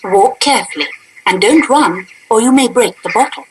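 A man's voice: very high-pitched, animated, moderate pace, background noise, voice pushed up. A man voicing a careful mother in a storybook reading, giving firm, instructive warnings. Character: careful fussing mother, woman.

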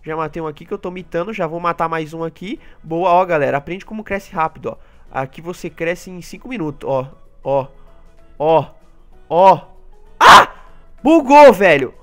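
A man with a Brazilian accent and a fairly high voice narrates his gameplay as it happens. He chatters eagerly to his audience and breaks into high-pitched yelps. Faint music plays behind him. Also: normal speed, clear, resonant tone. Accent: Brazilian Portuguese. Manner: excitable, talks to the audience, jumps into high yelps and laughter. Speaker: gaming YouTuber. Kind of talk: live gameplay commentary.

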